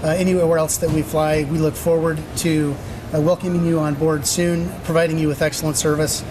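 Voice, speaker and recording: A man giving a public speech as an airline executive, halting and often pausing to find his words. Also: level tone. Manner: halting, frequent hesitant pauses. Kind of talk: public speech at a press announcement. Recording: noisy event, urban background rumble.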